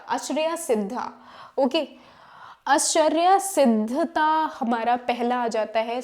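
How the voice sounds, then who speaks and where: A woman's voice: fairly high pitch, a little mellow. A young woman teaching an exam-prep lesson, explaining with rhetorical questions and English terms mixed in. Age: young adult.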